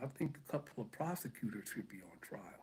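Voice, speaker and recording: A man whispers at a moderate pace, sounding somewhat breathy. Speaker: live streamer. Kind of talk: casual live stream chat. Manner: whispering; halting, repetitive.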